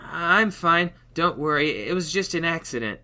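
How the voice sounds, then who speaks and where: A woman's voice: low-pitched, animated, normal speed, pushed and bright. A woman playing a timid, earnest, hesitant crafter in an audio comedy drama. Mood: reassuring. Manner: hesitant, nervous. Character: timid, anxious, earnest crafter named Tristan. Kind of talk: audio fiction comedy acting. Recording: dull, band-limited microphone sound.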